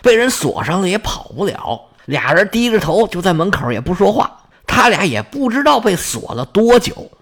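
Brief: husky male storyteller, fairly high, swooping delivery, lively and colloquial. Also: moderate pace, hardly any pauses. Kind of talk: traditional oral storytelling of a myth.

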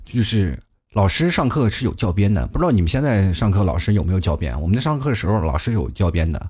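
A talk show host, delivering a comic monologue in a slightly low, husky voice. His pitch jumps around as he tells his stories, and he laughs at his own punchlines. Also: quick pace. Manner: animated, chatty, laughs at his own jokes.

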